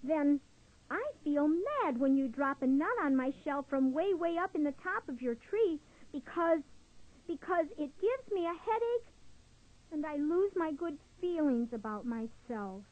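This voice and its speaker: A woman's voice: high voice, very animated, measured pace, pitched above the performer's own voice. A woman voicing a timid, worried young male turtle who stammers and frets tearfully. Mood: firm. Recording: dull lo-fi recording.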